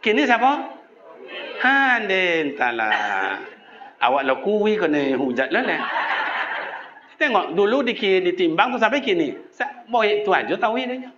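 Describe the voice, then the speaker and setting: A man's voice: sits high, unhurried, background noise. A man preaching a humorous sermon, teasing the congregation and mimicking local people. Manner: jokey, lively storytelling with mimicked voices. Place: mosque. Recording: echoey mosque, dull sound.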